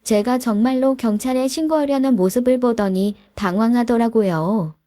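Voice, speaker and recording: A woman's voice: a little high, normal speed, dark tone, dry recording, clean studio sound. Woman narrating a first-person story. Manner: plain storytelling, looks back on events.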